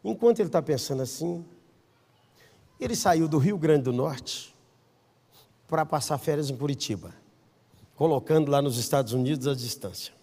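A Brazilian man preaching a sermon as pastor, telling stories with acted-out quotes, swinging between loud calls and hushed asides. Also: fairly high pitch, big-room sound. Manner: animated storyteller, acts out quotes, swings from shouting to hushed. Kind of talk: sermon with storytelling. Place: church.

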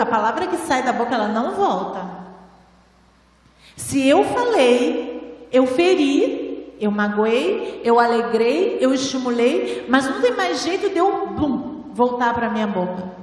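A woman giving a spiritual lecture to a seated audience on a handheld microphone, teaching in a didactic way with rhetorical questions. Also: high-pitched. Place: large hall with audience. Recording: echoey hall, voice from far off.

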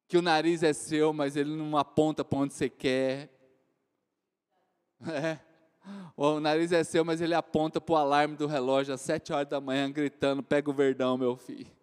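A man in his forties with a Brazilian accent preaching a sermon, swinging from loud exclamations to soft joking asides. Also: a little high, smooth. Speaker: pastor. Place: church hall. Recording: reverberant church hall.

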